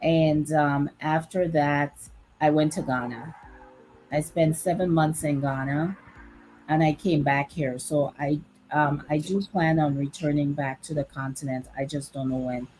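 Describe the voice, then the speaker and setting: Low-voiced woman from the Virgin Islands. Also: steady tone, a little slow, a little mellow, soft background music, low-quality recording. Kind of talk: casual discussion.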